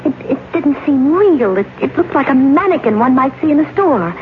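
An actress playing a frightened, anxious young woman in a 1950s radio horror drama, with a halting, fearful delivery. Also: sits high, animated. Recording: thin, phone-like, noisy old radio recording.

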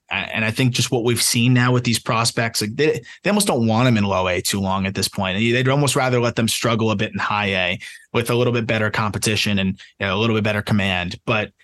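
A man's voice: lowish voice, fairly even intonation, fast, a bit bright. A man co-hosting a podcast, talking animatedly in casual chat, often laughing and restarting his sentences. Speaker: podcast co-host, prospect analyst.

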